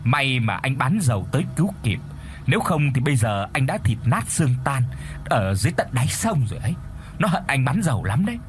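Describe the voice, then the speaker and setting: A man voicing a hoarse, grovelling coucal bird in a told story. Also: mid-range voice, sing-song, a little fast, close to an everyday voice. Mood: telling. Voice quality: raspy, hoarse. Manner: grovelling, begging.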